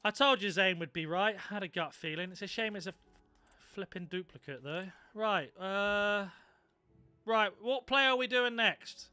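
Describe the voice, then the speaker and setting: A man's voice: sits high, normal speed, sharp tone, clear, resonant tone, no echo, faint music behind. A young man chatting casually on a live stream, swearing freely and reacting to his viewers. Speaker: gaming streamer.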